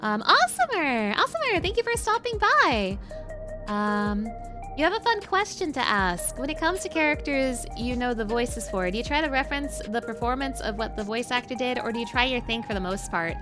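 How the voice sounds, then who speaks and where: Bubbly high-voiced woman streamer. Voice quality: high-pitched voice. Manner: bubbly, giggly, filler-heavy chat. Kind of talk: casual chat while reading game dialogue.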